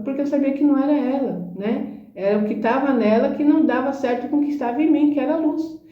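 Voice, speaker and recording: A woman's voice: high voice, reverberant, muffled recording. A woman giving a conversational sermon, speaking earnestly and emphatically and often asking rhetorical questions. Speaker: Christian speaker.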